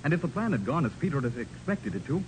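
Over noisy, rumbling vintage radio, an earnest young man under accusation. His lively voice runs a little high for a man, in 1940s crime drama style. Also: fast.

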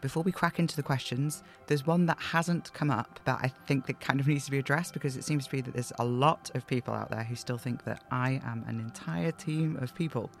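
Creaky-voiced man hosting a podcast. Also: mid-range voice, brisk, few pauses, soft background music. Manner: informal, conversational. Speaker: audio drama creator and host. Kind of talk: chatty Q&A podcast talk.

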